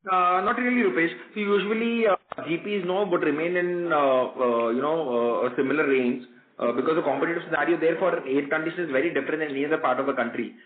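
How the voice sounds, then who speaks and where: Fast-talking Indian man on echoey call. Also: fairly high pitch. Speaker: company executive. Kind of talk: earnings call answers. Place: conference call. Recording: muffled, roomy conference phone line.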